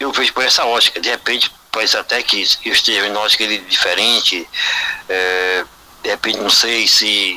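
Amid noticeable background noise, a man with a fairly low voice speaks at a moderate pace with fairly even intonation. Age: 40s. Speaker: listener sending audio message. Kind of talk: casual audio message.

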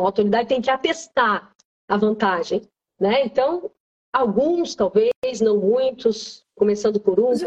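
Using a plain, everyday voice, a woman with a fairly high pitch speaks at a moderate pace with ordinary pitch variation. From interior of Santa Catarina, Brazil. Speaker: lawyer and author on public procurement. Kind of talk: live-streamed interview.

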